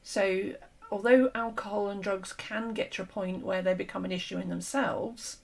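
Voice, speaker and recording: Host: woman, gravelly, slightly hoarse, earnest explainer, conversational interview. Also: medium pitch, steady tone, normal speed, a little mellow. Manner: earnest, explanatory, with frequent fillers and restarts. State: losing her voice. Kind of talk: conversational discussion.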